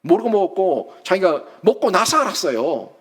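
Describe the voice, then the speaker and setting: A male pastor delivers a sermon in a high voice that swings widely in pitch. He preaches emphatically and keeps throwing rhetorical questions at his congregation. His delivery stays animated throughout. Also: moderate pace.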